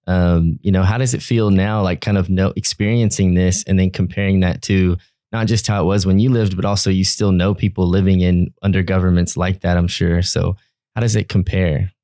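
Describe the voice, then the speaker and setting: A man's voice: low voice, level tone, moderate pace, warm tone, dry recording, studio quality. A man hosting an interview, asking long rambling questions. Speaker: host. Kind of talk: podcast interview.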